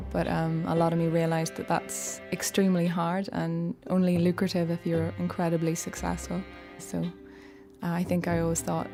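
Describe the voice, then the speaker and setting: A woman with a Northern Irish accent recounts her life in a relaxed, thoughtful voice that sits fairly low. Soft music plays clearly behind her as she talks. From Northern Ireland. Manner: relaxed, reflective, conversational. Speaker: storyteller. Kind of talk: personal story narration.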